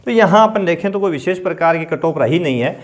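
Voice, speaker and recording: A male coaching teacher with a sore throat, clearing his throat as he explains a lesson slowly and repeats the figures. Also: on the high side, expressive. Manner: explains slowly, repeats figures, keeps asking "theek hai na".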